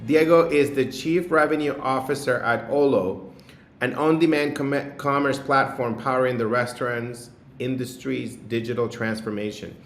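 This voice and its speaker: A man's voice: mid-range voice, fairly even intonation, moderate pace. A man hosting a podcast, introducing and interviewing a guest in an upbeat, emphatic way. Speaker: podcast host. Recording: roomy sound with faint music.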